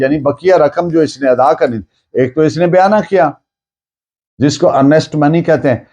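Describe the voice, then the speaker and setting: This law lecture comes from a man with a Pakistani accent whose voice is high-pitched and dark in tone. He restates his points simply and mixes English terms in, teaching in a deliberate, didactic manner.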